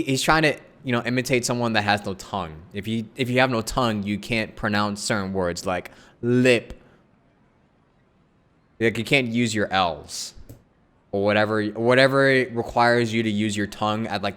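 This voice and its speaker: A man's voice: fairly low pitch, moderate pace, fairly bright tone. A man doing casual livestream commentary as he plays a game, chatting informally with viewers. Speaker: game streamer. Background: game music.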